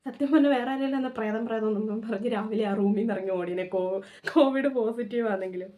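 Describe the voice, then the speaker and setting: Woman, 30s; mellow, slightly high voice; animated casual storyteller. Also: fast. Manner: animated, lively retelling with frequent restarts. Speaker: vlogger.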